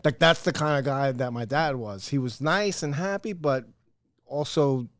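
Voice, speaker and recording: A middle-aged man with a deep voice, telling loud, profane family stories in a casual podcast chat. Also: moderate pace, dry recording, clean studio sound. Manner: loud, profane, animated storyteller. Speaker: podcast host.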